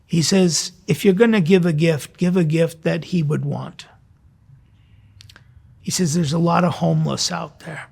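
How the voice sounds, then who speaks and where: A man's voice: fairly high pitch, steady tone, unhurried, creaky, darkish tone, husky. A man in his sixties, a priest hosting a religious program, gives a conversational sermon through earnest, informal personal storytelling.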